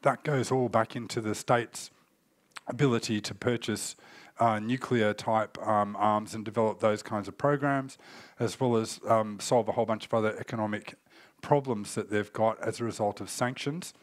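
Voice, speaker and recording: A man's voice: on the low side, steady tone, moderate pace, no room sound. Man with a cold giving a keynote. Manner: loose spoken presentation with fillers, explanatory. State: getting over a cold, coughing. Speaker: keynote speaker on cyber threat intelligence. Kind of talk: conference keynote talk. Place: indoor conference stage.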